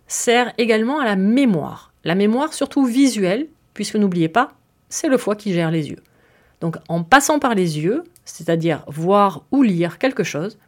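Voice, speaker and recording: Woman podcast host with a chatty, easygoing delivery, talking straight to her listeners with frequent asides. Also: medium pitch. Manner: chatty, explains with fillers and asides. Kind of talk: casual explanatory podcast monologue.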